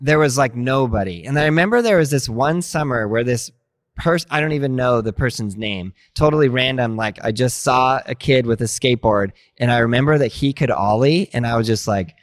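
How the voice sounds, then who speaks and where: Man, late thirties, from Montana, animated storyteller, dry recording. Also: mid-range voice, fairly quick, no echo. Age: 30s. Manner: animated, many fillers, acts out past thoughts. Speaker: guest, skateboard instructor. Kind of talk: casual interview storytelling.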